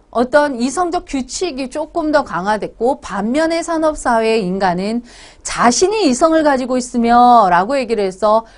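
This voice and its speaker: A woman's voice: fairly high pitch, darkish tone. A woman teaching an exam-prep essay class, casually firing questions at her students and answering them herself. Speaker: essay tutor.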